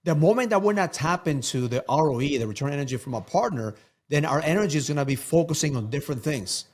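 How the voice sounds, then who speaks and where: A man's voice: on the high side, expressive, fast talker. A man talking as a guest coach in a casual interview, emphatic and preachy, often repeating words for stress.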